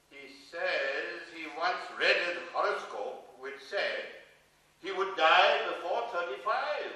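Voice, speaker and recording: Guy doing a awkward stiff professor in a stage drama, highish voice, echoey and far off. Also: sharp tone, full character voice. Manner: hesitant, clipped, understated. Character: reserved, awkward English mathematics don Hardy. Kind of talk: dramatised stage play reading. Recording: echoey hall, far from mic.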